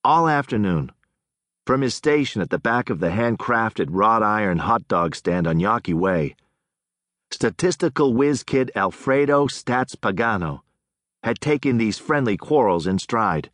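A man's voice: fairly low pitch, lively intonation, a little slow, a bit bright, no echo, studio quality. A man narrating an audiobook in a breezy, unobtrusive way.

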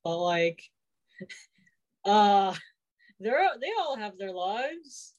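A woman's voice: mid-range voice, sing-song, very slow, a little mellow, lo-fi sound. A woman in her twenties in casual, laid-back, wry conversation. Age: 20s. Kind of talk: casual chat on a video call.

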